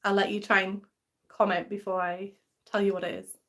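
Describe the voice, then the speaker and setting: A woman's voice: mid-range voice, flat delivery, brisk, a bit bright. A young woman from England with a mixed English and Scottish accent, hosting a casual live stream and chatting with viewers in a rambling way, full of fillers. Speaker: livestream host. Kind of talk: casual live stream chat reading comments.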